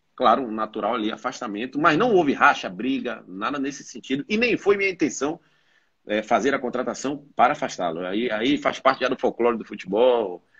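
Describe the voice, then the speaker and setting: With a plain, everyday voice, a man talks at a fairly quick pace and medium pitch, his intonation lively. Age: 40s. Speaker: former football club president. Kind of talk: interview.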